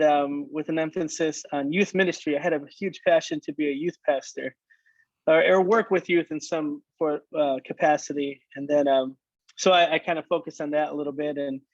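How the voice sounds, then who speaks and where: A man's voice: fairly high pitch, no room sound, lo-fi sound. A man in his late thirties from Michigan, chatting casually about his life with frequent restarts and fillers. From Michigan, United States. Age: late 30s. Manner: halting, many restarts and fillers. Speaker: worship leader guest. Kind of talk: casual conversation.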